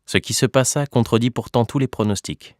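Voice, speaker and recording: A man's voice: medium pitch, brisk, darkish tone, dry recording, studio quality. A man reading scripted narration as a professional voice-over artist. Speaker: voice actor. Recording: music under the voice. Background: music.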